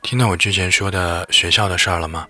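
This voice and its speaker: A man playing a calm, strict young man. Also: low voice, faint music behind, full character voice. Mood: soothing. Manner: slow, measured, soft.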